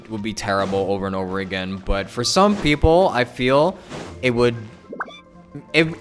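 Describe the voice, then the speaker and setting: A man chatting casually on a game livestream, thinking aloud in a halting way and repeating his phrases. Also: medium pitch, a bit bright. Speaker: game streamer. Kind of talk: casual livestream chat with viewers.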